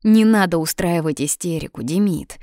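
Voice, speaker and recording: A bold young redheaded student, cheeky and stubborn, put on by a woman reader. She fires back indignant retorts, her voice lifted higher and louder than the narration. The read sounds close and dry. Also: dry recording, close to an everyday voice. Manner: indignant, quick retorts, brightly raised voice. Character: feisty red-haired young woman student, cheeky and defiant. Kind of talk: audiobook character reading.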